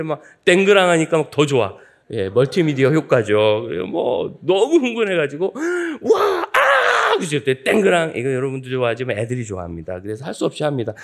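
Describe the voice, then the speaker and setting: Man, 50s, pastor, sermon, humorous storytelling, gravelly voice, animated. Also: medium pitch. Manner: lively, joking anecdotal storytelling. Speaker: guest pastor. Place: church sanctuary at a dawn service.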